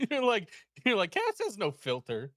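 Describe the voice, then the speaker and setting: A man's voice: sits high, wildly swooping pitch, a little slow, fairly bright tone, no room sound, studio quality. A man chatting casually with friends during a video reaction, joking and acting out little quoted asides.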